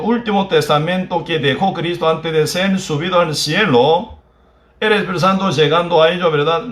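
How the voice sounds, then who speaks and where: A pastor with a Korean accent preaches a sermon in a higher-than-usual, fairly bright voice. His phrases come out halting and broken, and he keeps tagging them with questions to the congregation. The echo of a church hall carries through the recording.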